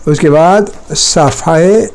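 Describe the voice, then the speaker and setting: A man teaching a classroom lesson at a slow, unhurried pace, drilling each word over and over. His voice sits somewhat high for a man. He explains patiently and breaks off to ask his pupils whether they follow. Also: darkish tone. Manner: checks pupils often with short questions. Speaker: Persian teacher.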